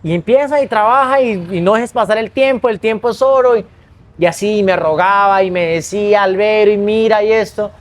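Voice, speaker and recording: A man's voice: high-pitched, brisk. A young Colombian man telling his own story in a casual interview, earnest, often restarting his phrases. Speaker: guest, pizza business owner.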